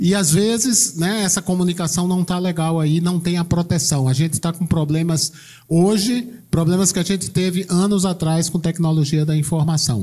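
A man with a high pitch and a dark, mellow tone speaks at a moderate pace, keeping his loudness very even and his pitch variation ordinary. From Pernambuco, Brazil. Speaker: information security expert and author. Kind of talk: panel discussion. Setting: stage with audience.

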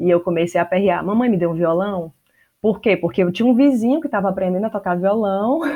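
A woman talks at a very fast pace with very even loudness. Her medium pitch shows ordinary variation. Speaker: university English professor. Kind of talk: casual interview. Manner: hesitant, many fillers.

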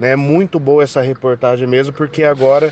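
With fairly even intonation and a fairly high pitch, a man speaks as noticeable noise runs in the background. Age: 30s. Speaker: radio listener. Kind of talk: voice message to radio show. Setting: recorded audio message.

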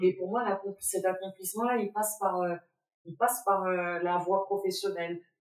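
Intonation stays fairly even as the speaker moves at a moderate pace. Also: woman, medium pitch for a woman. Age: 30s. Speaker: podcast host interviewing her mother. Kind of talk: intimate family conversation. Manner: halting, many fillers.

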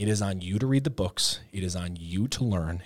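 In a very clean recording with a silent background, a man speaks at a moderate pace in a fairly low voice with an animated tone and ordinary pitch variation. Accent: American. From Chicago, US Midwest. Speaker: supplement company founder. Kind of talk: casual chat.

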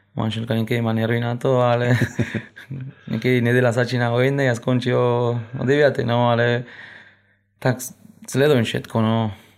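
Speaking at a moderate pace with a Spanish accent, the voice is monotone and flat, broken by long, frequent pauses. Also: man, medium pitch for a man. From Argentina, Buenos Aires. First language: Spanish (speaking Slovak). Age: 30s. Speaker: footballer. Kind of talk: interview. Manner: halting.

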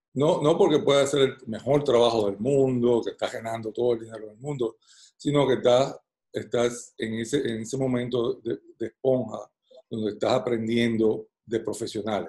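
At a moderate pace, a medium-pitched man speaks in a dark, mellow tone with fairly even intonation and big swings in loudness. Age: 50s. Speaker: professor and podcast co-host. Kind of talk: casual chat.

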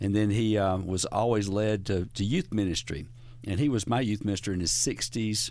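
A man with a Southern US accent has a fairly low pitch. He talks at a fairly quick pace. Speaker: pastor and radio co-host. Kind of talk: radio call-in show. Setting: studio.

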